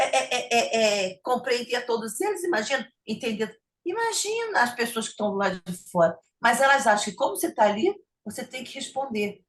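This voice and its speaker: A woman taking part in an online study group, talking over a video call with a fairly high, very lively voice that leaps around. She piles up repeated phrases to drive her point home. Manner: animated, repeats phrases for emphasis. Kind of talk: casual group discussion.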